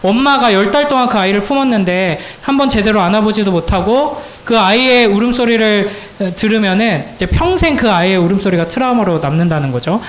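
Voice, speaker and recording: A man with a high voice preaches to teenagers in a church hall, and the sound carries an echo. He tells a story in a conversational way, then builds into fervent preaching. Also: animated, fairly quick, few pauses. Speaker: youth pastor. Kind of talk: sermon to high school students.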